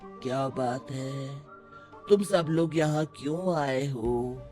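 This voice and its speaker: A performer voicing a grave male tantric holy man in an animated story, making slow ominous pronouncements over music. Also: mid-range voice, close to an everyday voice.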